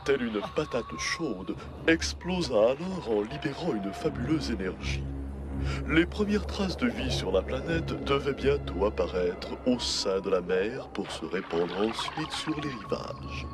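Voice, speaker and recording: A man's voice: mid-range voice, animated, measured pace, natural voice. A man playing a grand, solemn narrator in a cartoon, delivering scripted storytelling. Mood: solemn, epic. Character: grand male documentary-style cartoon narrator. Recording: cartoon soundtrack with music behind.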